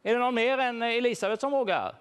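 In a very high, clean-toned voice, a children's talk leader plays a worried shepherd looking for his lost sheep in a church. He animatedly asks the children questions, calls out names, and invites them to join the search in a playful, searching role-play.

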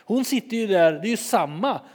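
A man preaching in a relaxed, chatty manner, telling stories with plenty of life. His voice sits fairly high for a man, and a long reverb from a big hall follows every phrase. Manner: lively and chatty, acting out scenes. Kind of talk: sermon, storytelling.

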